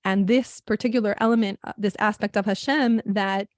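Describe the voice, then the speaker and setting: A woman sharing her thoughts on a video call in a casual discussion, pausing often with fillers and restarts. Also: medium pitch, fairly even intonation, no room sound, studio quality. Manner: hesitant, with many fillers and restarts.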